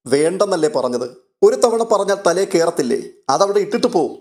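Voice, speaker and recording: A man's voice: high voice, big pitch swings, moderate pace, a little mellow, voice pushed up. A man reading out a stern, bossy woman of the household, voicing her in a curt, scolding way.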